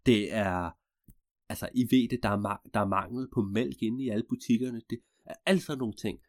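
A man telling an improvised story in a rambling, digressive way with deadpan asides. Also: on the low side, no room sound, clean studio sound.

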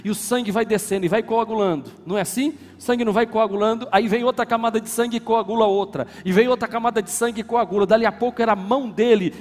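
A man preaching a sermon as pastor, with a Brazilian Portuguese accent, swinging between hushed and shouted passages. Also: sits high, quick pace, few pauses. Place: church hall. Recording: reverberant church hall with music.

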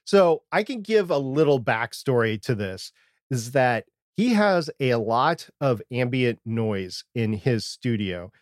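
A man with a quiet, slightly muddled voice co-hosting a podcast in casual conversation. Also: medium pitch, big pitch swings, slow, no room sound, clean studio sound. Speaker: podcast co-host. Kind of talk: casual chat about audio gear.

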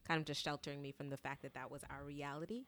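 A young woman from Brooklyn in casual podcast chat, rambling and quick to laugh. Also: deep voice, fairly even intonation, a bit bright, dry recording. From Brooklyn, New York.

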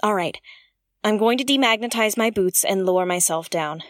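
A woman's voice: medium pitch, noisy background, lightly acted. Woman acting an earnest, theatrical space investigator. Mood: nervous, focused. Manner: theatrical, articulate, musing with dramatic pauses. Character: Nym, earnest woman investigator hosting her own space mystery show. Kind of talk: audio drama narration, like a spoken field log.

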